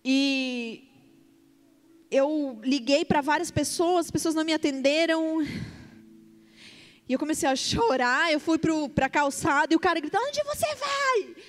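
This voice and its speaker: A woman's voice: sits high, a little slow, pauses often. A woman pastor telling a story in a sermon, emotional and vivid, acting out the dialogue. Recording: long hall reverb.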